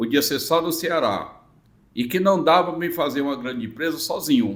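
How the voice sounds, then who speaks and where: A man with a fairly high pitch speaks at a moderate pace with ordinary pitch variation. The recording has audible room echo. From Piauí, northeastern Brazil. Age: 70s. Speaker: accountancy firm founder, businessman. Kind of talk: interview.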